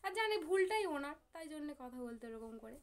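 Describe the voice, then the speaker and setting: High-voiced woman vlogging sadly. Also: sing-song. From Bengal. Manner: talks of grief and family squabbles, halting with fillers. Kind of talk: casual chat to viewers.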